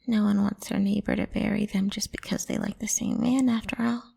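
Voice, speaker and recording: A woman's voice: medium pitch, steady tone, brisk. Woman playing a whispery, possessive lamia girl. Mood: explaining softly. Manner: coaxing, teasing, soft and breathy. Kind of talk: whispered ASMR roleplay.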